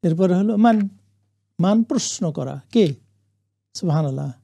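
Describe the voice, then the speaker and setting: Man teaching quran arabic, gravelly, really dark voice, says phrases slow so you repeat. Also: sits high, animated. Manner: repeats Arabic phrases slowly for students to echo, mixes English glosses. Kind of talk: classroom lesson on Quranic Arabic.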